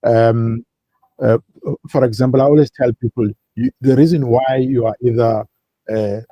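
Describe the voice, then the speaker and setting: Husky-voiced man holding forth. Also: medium pitch, fairly even intonation, moderate pace, dark tone, no room sound. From South Africa. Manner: expansive, speechifying. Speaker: guest. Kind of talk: talk-radio interview.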